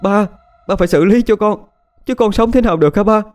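A man's voice: a little fast, slight background noise, close to an everyday voice. A man voicing a furious, hysterical wealthy wife who screams and wails in a storybook reading. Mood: hysterical fury. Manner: shrill, screaming and wailing.

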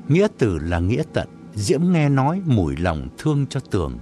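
A man narrating a story in an expressive, dramatic reading. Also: lowish voice, normal speed, faint music behind. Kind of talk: audiobook narration.

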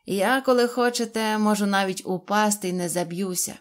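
A woman voicing a cheerful, boastful little fairy-tale man who speaks loudly and excitedly, forever apologising for his words. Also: high-pitched, moderate pace, close to an everyday voice. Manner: loud, excited, ever-apologetic phrasing.

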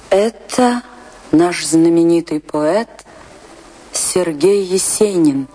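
A woman's voice: medium pitch, close to an everyday voice. An actress playing a passionate, lovestruck female dancer remembering her poet husband in a theatrical radio-play monologue. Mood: enchanted. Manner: theatrical, lingering, rapturous delivery. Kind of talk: dramatic first-person monologue in a radio play.

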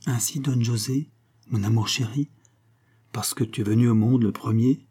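A man's voice: steady tone, normal speed, husky, lightly acted. A man reading a scheming gypsy woman. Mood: hushed scheming. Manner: mocking, low and hushed. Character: scheming young female gypsy temptress.

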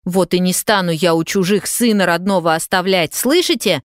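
A fiery, defiant mother shouting threats in a voice pushed well above its usual pitch, played by a woman reading the story. The sound is dry and close. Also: normal speed, no room sound, close to an everyday voice. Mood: furious. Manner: flaring, raised threats.

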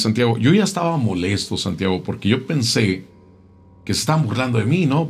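A man telling a local tale in a casual, unhurried way, often repeating words as he goes. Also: medium pitch, breathy edge. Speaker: storyteller.

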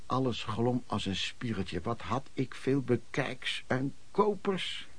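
An actor playing a hardworking itinerant peddler, looking back on his life in colloquial, reflective radio drama narration with a husky voice. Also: medium pitch, sing-song, slow, exaggerated voice. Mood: proud, content.

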